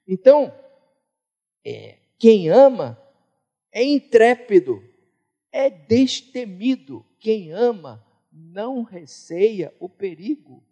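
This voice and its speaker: A man from Brazil preaching a sermon, emphatic, swinging between loud and hushed. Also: sits high, big pitch swings, slow, lo-fi sound. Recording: reverberant hall.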